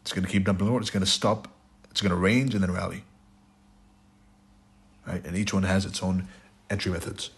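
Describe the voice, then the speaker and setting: Hoarse low-voiced man lecturing bluntly. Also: fairly even intonation, a little fast, pauses often. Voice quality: raspy. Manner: blunt, repeats "right?" and "it's your fault". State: hoarse, sore throat. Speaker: trading instructor. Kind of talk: lecture over slides.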